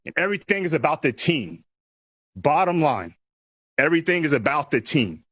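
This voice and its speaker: A man in his forties giving a measured, emphatic press conference speech as a new general manager, stressing key words. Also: fairly high pitch, sing-song, a bit bright, husky.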